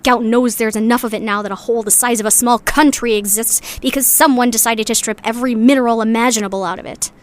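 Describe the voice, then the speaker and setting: A woman's voice: a little high, fairly even intonation, fast talker, few pauses, slight background noise, lightly acted. A woman playing a weary, loyal member of a sci-fi underground community in an audio drama, speaking in a reflective, earnest way. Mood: doubtful, frustrated.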